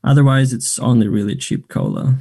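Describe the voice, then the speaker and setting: A man's voice: medium pitch, wildly swooping pitch, fairly quick, gravelly, mellow, full character voice. A man acting a flirtatious, self-assured gay man in a naturalistic table read of a play, chatty and teasing. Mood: friendly, chatty.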